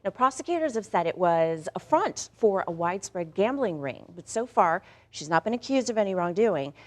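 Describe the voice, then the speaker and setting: This female morning news host is very animated yet a little mellow, speaking at a moderate pace with a medium pitch. She blends read news items with lighthearted, chatty asides addressed directly to the audience.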